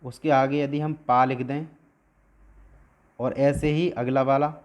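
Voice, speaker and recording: The recording is muffled as a man with a steady, mid-range voice teaches at a board. He puts questions to his listeners before answering them, and slowly stretches single sounds to demonstrate their pronunciation.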